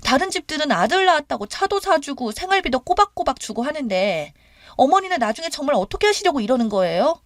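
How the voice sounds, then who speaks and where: A woman's voice: high-pitched, very animated, fast talker, no echo, studio quality, voice pushed up. A woman voicing a young, demanding daughter-in-law who talks in a pushy, complaining way. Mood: indignant.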